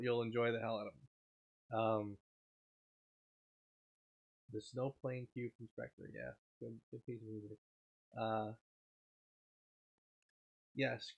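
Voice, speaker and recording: A man's voice: mid-range voice, fairly bright tone, highs cut off. Stuffed-up man chatting on a livestream. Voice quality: frequent throat clearing. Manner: rambling, reads and answers viewer chat. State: stuffed up, sniffling. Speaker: livestream host. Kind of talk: casual livestream chat.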